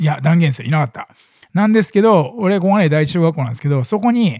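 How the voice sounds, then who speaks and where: A man speaks with a dark, mellow tone and lively intonation. The recording is very clean, with a silent background. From northern Kanto, Japan. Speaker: podcaster. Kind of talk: casual solo talk. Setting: office studio. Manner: casual, rambling.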